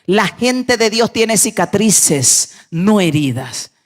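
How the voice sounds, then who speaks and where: A woman pastor preaching a sermon, emphatic, moving between hushed passages and raised, urgent lines. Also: medium pitch, very animated, slow.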